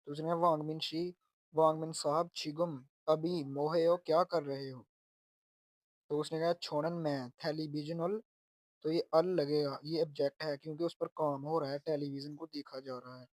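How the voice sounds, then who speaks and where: Steady, even-toned male language teacher. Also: fairly high pitch, moderate pace, no room sound. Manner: patient, repeats and explains word by word. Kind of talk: explaining Korean exam lessons.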